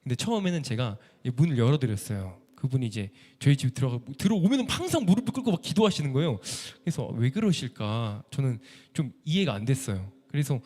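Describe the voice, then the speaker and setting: A man giving an emotional church testimony as a missionary violinist, telling his story with animated feeling. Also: medium pitch, quick pace, few pauses. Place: church sanctuary. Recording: echoey church hall.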